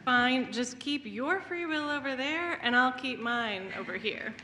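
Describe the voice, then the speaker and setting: Woman playing a dismissive stubborn bickerer, terse, slightly high voice, amateur church skit, noisy sound. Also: lively intonation, a little slow, sharp tone, exaggerated voice. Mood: irritated. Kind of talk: amateur readers' theater. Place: church sanctuary during a live service. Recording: distant voice with clear background noise.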